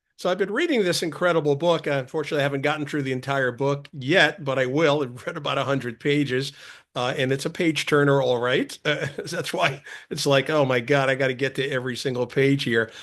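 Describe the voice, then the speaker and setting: Against a quiet background, a man with an unremarkable speaking voice talks at a fairly quick pace, his pitch fairly high and his intonation fairly even. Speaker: podcast host. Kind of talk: interview question.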